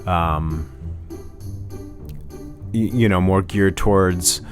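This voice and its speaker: A man's voice: deep voice, extremely slow, faint music behind. A man guest in a casual interview, telling stories about his life as a musician, rambling with many restarts and "you know"s.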